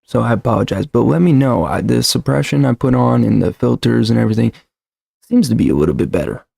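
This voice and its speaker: A man's voice: medium pitch, animated, quick pace, vocal fry, mellow, slightly rough, no echo, clean studio sound. A man in his thirties hosting a casual livestream, rambling and self-deprecating, full of fillers and restarts, talking into a desk mic at home. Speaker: livestream host. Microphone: desk mic with shock mount.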